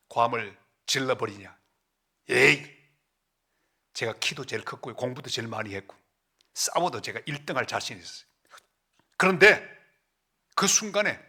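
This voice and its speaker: A middle-aged pastor with a Gyeongsang accent preaching a sermon in a church, storytelling with big swings and sudden hushed, slow asides. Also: male voice, high voice. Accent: Gyeongsang Korean. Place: church sanctuary.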